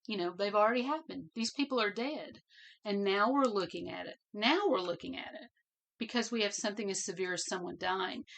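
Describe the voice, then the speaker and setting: A woman hosting a podcast, talking through her points alone in an earnest way and often repeating phrases for emphasis. She is losing her voice and coughs now and then. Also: medium pitch. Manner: coughs and clears throat. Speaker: podcast host. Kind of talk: solo podcast commentary.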